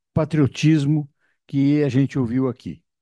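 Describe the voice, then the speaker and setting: The tone is dark and mellow, delivered at a fairly slow pace. The sound is dry and close with no echo, and the background is quiet. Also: man. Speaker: event organizer giving closing thanks. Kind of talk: closing speech at event. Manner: quiet at first.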